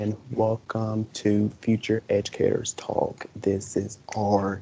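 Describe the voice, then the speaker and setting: A man's somewhat breathy voice with a dark, mellow tone at a very slow pace. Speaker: podcast co-host and college student. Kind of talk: casual chat.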